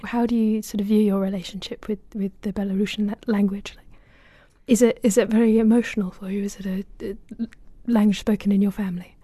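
A woman's voice: mid-range voice, flat delivery, brisk, warm tone, slightly rough, dry recording. A woman hosting a books podcast, asking enthusiastic, slightly hesitant questions. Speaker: podcast host. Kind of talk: podcast interview.

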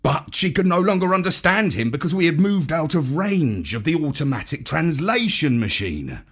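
Animated, bright-voiced male storyteller. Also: a little high, breathy edge. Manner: deliberate, theatrical. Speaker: story reader. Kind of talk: expressive children's story narration.

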